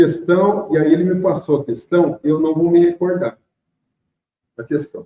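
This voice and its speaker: The man's high voice moves at a fairly slow pace and shows ordinary pitch variation. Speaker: Spiritist lecturer. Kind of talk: lecture.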